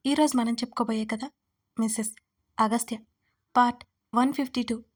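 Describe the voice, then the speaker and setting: A woman hosting and narrating a serialized audio story in a steady reading voice. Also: on the high side.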